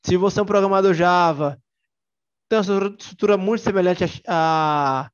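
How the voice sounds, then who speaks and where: A young man from Salvador, Bahia, speaks with a Bahian Brazilian Portuguese accent, his high-pitched voice clear and resonant as he moves briskly through a casual, joking tech conference talk. He fills it with fillers and restarts, and the audio sounds dull.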